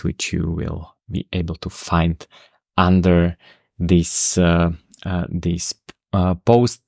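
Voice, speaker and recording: A man with a Slovak accent, a native Slovak speaker, hosting a podcast and introducing an episode with unhurried, halting speech full of fillers. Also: deep voice, vocal fry, darkish tone, dry recording, clean studio sound. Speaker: podcast host.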